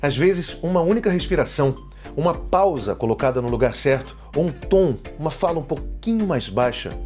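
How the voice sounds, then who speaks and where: Music plays behind a man who talks at a moderate pace with a fairly high pitch and lively intonation. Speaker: voice actor. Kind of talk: casual talk to camera.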